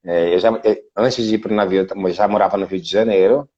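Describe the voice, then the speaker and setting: Brazilian man, husky low voice, dull video-call sound, chatty explainer. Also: fairly even intonation, a little fast, mellow. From Brazil (Salvador, Bahia). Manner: explanatory, many fillers like "né". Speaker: guest, international relations specialist. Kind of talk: casual video interview. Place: Portugal.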